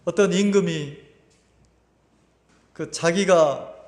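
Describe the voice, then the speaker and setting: A pastor giving a Sunday sermon in a lively, conversational way, asking the congregation rhetorical questions and repeating his words often. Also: high-pitched, takes it slowly. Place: church sanctuary. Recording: echoey church hall with long reverb.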